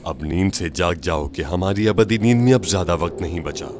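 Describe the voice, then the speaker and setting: A man's voice: sits low, brisk, background noise, lightly acted. A man voicing an insistent man rousing his sleeping comrade, urgent and pressing.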